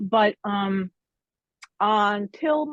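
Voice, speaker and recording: This woman's pitch is fairly high, with ordinary variation, in a normal speaking voice. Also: dry, close sound with no echo. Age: 60s. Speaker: polio survivor, club member. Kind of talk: personal testimony in a panel discussion.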